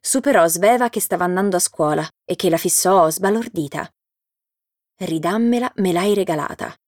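A woman narrating a children's storybook in a steady, clear reading voice. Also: lowish voice, moderate pace, dry recording, studio quality.

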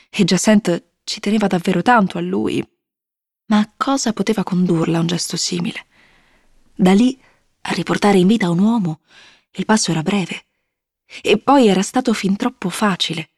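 A woman reading a novel aloud, narrating in a measured, even manner. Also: on the low side, husky, no room sound, clean studio sound. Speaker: audiobook narrator. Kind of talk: scripted narration.

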